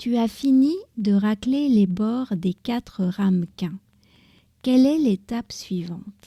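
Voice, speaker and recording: Speaking very slowly, a woman uses a fairly high, somewhat breathy voice with a dark, mellow tone and lively intonation, heard dry and close with no echo. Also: very clean recording, silent background. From France. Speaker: language podcast host. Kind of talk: podcast, cooking with a friend in the kitchen. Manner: slow, clear.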